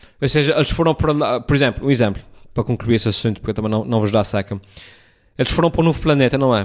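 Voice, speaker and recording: A man with a European Portuguese accent at a very fast pace, medium in pitch with ordinary pitch variation and very even loudness, on a very clean recording with a silent background. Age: 40s. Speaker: podcaster and video creator. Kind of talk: casual solo monologue. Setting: at home, living room. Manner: hesitant, many fillers.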